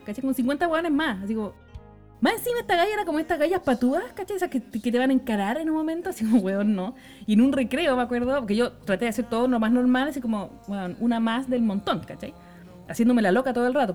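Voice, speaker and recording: Young Chilean woman, high and quick, casual slangy storyteller who laughs a lot. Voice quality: slangy, animated, laughs often.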